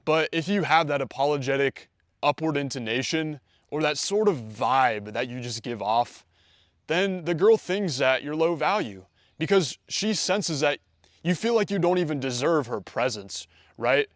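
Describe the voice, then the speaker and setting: A man's voice: a little high, lively intonation, normal speed, dry recording, studio quality. A man giving dating advice straight to camera in a confident, conversational way. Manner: confident, conversational, acts out quoted dialogue. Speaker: dating coach. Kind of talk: direct-to-camera coaching video.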